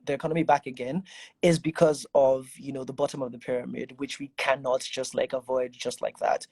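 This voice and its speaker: A man's voice: mid-range voice, level tone, a little fast, a little mellow, breathy edge, no echo. A man in his twenties from Nigeria, hosting a casual podcast chat and rambling with lots of "like" and "you know". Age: 20s. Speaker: podcast host. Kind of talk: casual conversation.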